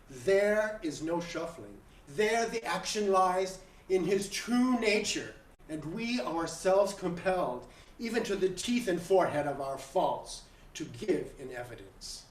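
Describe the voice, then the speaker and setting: A man's voice: on the high side, slight background noise. A man playing a guilt-ridden, murderous king praying in torment, declaiming a classical stage monologue in verse. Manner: declamatory, classical verse delivery with long pauses. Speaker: acting student. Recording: echoey room, distant mic, online stream.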